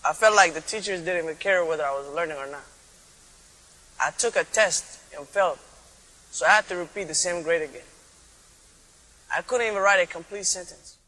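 A young man from Kenya telling his own story as a former student, in a plain, steady way. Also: sits high, brisk, long pauses, big-room sound, rough recording. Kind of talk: recorded personal testimony.

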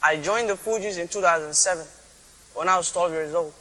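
A young man from Kenya telling his own story as a former student, in a plain, steady way. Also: sits high, fairly quick, long reverb tail, poor audio. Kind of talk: recorded personal testimony.

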